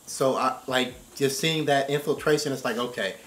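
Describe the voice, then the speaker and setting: A man giving casual commentary in a discussion, explaining his points and often checking in with a quick "right?". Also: medium pitch, fairly bright tone. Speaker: reaction show commentator. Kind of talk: casual discussion of game story.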